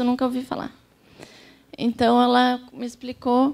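Her voice sits high in pitch. The woman speaks at a moderate speed. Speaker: speaker. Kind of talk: lecture. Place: hall. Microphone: handheld.

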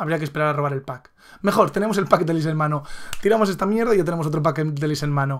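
Speaking at a very fast pace with a Spanish accent, a man uses a fairly high pitch and ordinary pitch variation. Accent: Peninsular Spanish. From Spain. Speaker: gaming youtuber. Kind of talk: card game analysis video. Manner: animated, casual. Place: home room.

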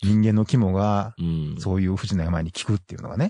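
A man talks at a fairly quick pace in a somewhat breathy voice with a dark, mellow tone. The sound is dry with no echo, over a quiet background. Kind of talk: storytelling. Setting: campsite by a lake at night. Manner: hushed, quiet tone for campsite quiet hours. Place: open country.

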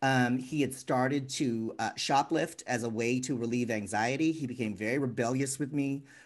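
A man at a fairly quick pace, his intonation fairly even, against a quiet background. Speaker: actor and comedian, podcast host. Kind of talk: casual chat. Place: home room.

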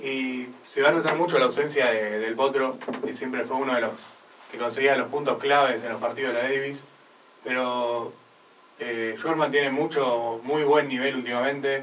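A man delivers his words moderately fast, his intonation fairly even. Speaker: journalism student on air. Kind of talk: radio sports talk show. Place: studio.

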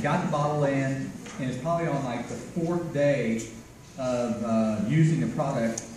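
A man talks at a fairly slow pace with ordinary pitch variation. Audible room echo and noticeable background noise surround him. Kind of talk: testimonial speech to audience. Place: hall.

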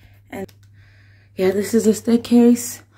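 A woman's dark, mellow, somewhat breathy voice at a fairly slow pace, with fairly even intonation. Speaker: vlogger showing her new home. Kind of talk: casual vlog chat. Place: home room. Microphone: phone near.

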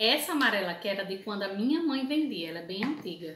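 A woman speaks at a medium pitch. Light background noise and audible room echo are present. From Brazil, Rio Grande do Norte (Mossoró). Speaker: sales consultant and video blogger. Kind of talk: casual product show-and-tell vlog. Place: home room. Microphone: phone near.

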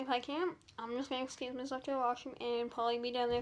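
Speaking at a very fast pace, a woman uses a high pitch. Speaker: vlogger. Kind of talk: casual vlog monologue. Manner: rambling, halting with fillers.

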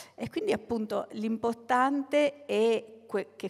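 Against a quiet background, a woman with a fairly high pitch talks at a very slow pace with ordinary pitch variation. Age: 60s. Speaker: novelist; author on festival panel. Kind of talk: onstage author interview. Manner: halting, with hesitations. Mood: reflective. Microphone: handheld.

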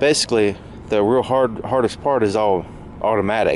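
A man with an unremarkable speaking voice talks at a moderate pace and fairly low pitch, with ordinary pitch variation, a dry sound with no echo and light background noise. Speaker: car salesperson or reviewer. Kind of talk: product walkthrough demonstration. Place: car. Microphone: phone near.

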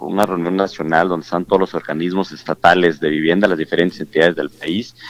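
Barely pausing, a man with a Mexican accent rattles along at a very fast pace in a very deep, low pitch with monotone, flat intonation. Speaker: head of state housing agencies council. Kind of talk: radio interview. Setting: phone call.

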